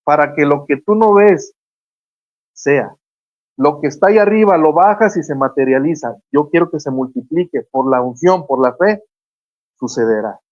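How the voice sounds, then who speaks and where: A preacher, preaching fervently on a Christian radio show and retelling scripture stories with acted quotes. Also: female voice, deep voice, normal speed, a little mellow, no room sound, lo-fi sound. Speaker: guest preacher on a radio program.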